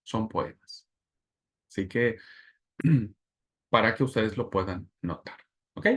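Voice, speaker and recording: A man's voice: on the low side, slow pace, a bit bright. A man teaching a Bible class, explaining patiently, repeating key words and checking in with his students. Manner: explanatory, repeats key terms and asks "¿verdad?". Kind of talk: lecturing a class.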